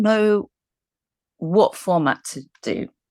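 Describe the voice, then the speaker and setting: A woman speaks very slowly in a British accent. The sound is dry and close, with no echo. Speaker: podcast guest. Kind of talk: casual chat.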